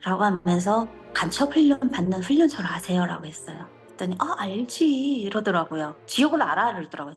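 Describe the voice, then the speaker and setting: A middle-aged woman from North Korea giving a personal testimony, telling her story in a lively way and acting out the dialogue. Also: medium pitch. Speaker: interviewee.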